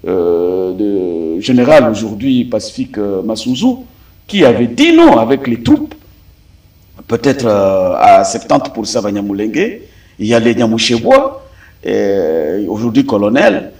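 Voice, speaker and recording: Congolese guy analyzing politics, lots of pauses, voice kinda far from the mic. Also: mid-range voice, a little mellow. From Democratic Republic of the Congo. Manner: deliberate, frequent hesitations, rising emphatic stresses. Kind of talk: studio debate commentary.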